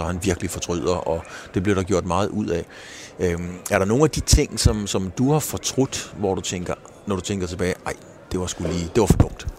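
Mand, der stiller forsigtige spørgsmål. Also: male voice, deep voice, darkish tone, a little hiss or hum. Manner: careful, hedged questioning with many restarts. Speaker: podcast interviewer. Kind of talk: conversational interview.

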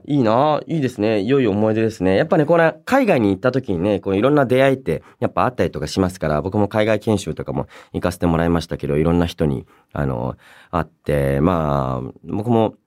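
A man hosting a radio show on his own, reading listener mail and chatting in polite, expressive speech with emphatic reactions and softer asides. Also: fairly low pitch. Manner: polite conversational phrasing.

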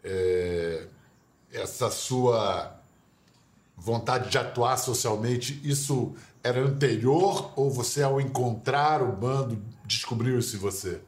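A male talk show host speaks at an ordinary, middle pitch, asking his guest measured questions. The room around him lends a clear echo. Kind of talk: interview questions. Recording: roomy echo.

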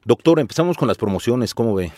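A man's voice: medium pitch, lively intonation, fast, mellow, dry recording, clean studio sound. A man with a Mexican accent co-hosting a radio show, reading out phone numbers and promotions in a salesy, friendly way.

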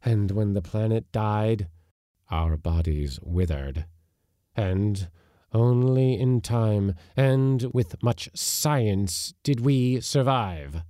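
Man reading as ancient alien spirit warlord, bodiless, boastful, slow grand booming delivery, dry close sound. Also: animated, warm tone, dry recording. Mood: solemn.

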